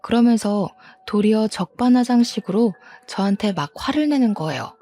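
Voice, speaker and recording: A woman narrating her own story as a betrayed wife, aggrieved and indignant. Her voice is mellow and soft-edged, with faint music running underneath. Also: mid-range voice, lively intonation, moderate pace. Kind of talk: first-person story narration.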